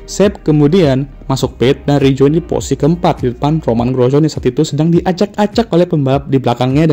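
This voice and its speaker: A man's voice: fairly high pitch, mellow. A man recapping a motor race in a casual, joking, slang-filled way, like a YouTuber talking to his viewers. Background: faint background music.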